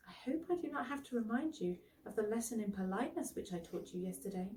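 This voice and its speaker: A woman storyteller plays a tender lady of a castle from a knightly storybook. She is soft and coaxing, with a playful tease. The voice sits a little away from the microphone. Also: mid-range voice, lively intonation, quick pace, far from the mic, slight background noise, lightly acted, low-quality recording. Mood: teasing.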